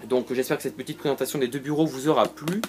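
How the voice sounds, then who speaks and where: A man's voice: medium pitch, fairly even intonation, quick pace, soft background music. Rambling young man giving a room tour. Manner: rambling with many fillers and restarts, jokey. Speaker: YouTuber. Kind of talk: casual room tour vlog. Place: bedroom. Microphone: camera on tripod.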